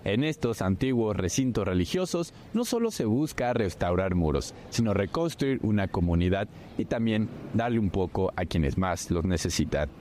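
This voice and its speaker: A man's voice: on the low side, sing-song, moderate pace, a little mellow, a little hiss or hum. A male field reporter reading a scripted news report in a formal delivery.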